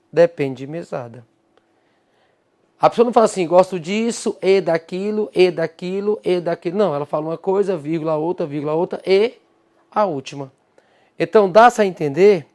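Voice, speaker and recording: Brazilian male teacher, high-pitched, emphatic. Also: a little mellow. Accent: Brazilian Portuguese. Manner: answers his own rhetorical questions to an imagined student; emphatic, explains step by step. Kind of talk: recorded exam-prep lecture.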